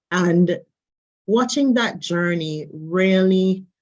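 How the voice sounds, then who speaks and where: A woman speaks very slowly in a Jamaican accent at a medium pitch with ordinary pitch variation. The background is quiet. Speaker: immigration lawyer. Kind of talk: interview.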